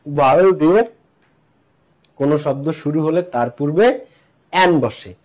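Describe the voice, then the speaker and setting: Brief: male English teacher, slightly raised pitch, online lecture, drills points by call and answer. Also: darkish tone. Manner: asks and answers his own questions, repeats key points; slows down to spell out English examples.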